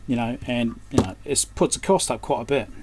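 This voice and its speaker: An electronics repairer walks through his repair at the bench in a relaxed, muttering, think-aloud style. His mid-range voice is fairly quick. Clear background noise runs under the recording.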